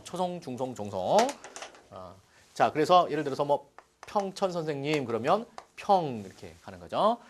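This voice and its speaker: A middle-aged man teaching a Korean language lesson, explaining step by step and checking in with his students as he goes. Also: sits high. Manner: lively explaining, frequent "자" and rhetorical checks. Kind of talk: classroom lecture.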